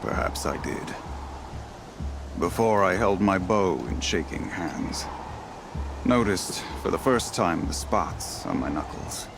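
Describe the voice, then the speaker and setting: An actor playing a weary, proud old tribal hunter in a video game, speaking in a solemn, measured, poetic way. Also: male voice, low voice, lively intonation, vocal fry, music in the background, exaggerated voice. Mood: reflective. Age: older. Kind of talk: dramatic video game dialogue.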